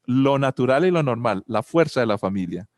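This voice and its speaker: A man's voice: medium pitch, expressive, fairly quick, dry recording. A man with a Colombian accent giving a reflective talk on family and spirituality, asking many rhetorical questions and telling personal anecdotes.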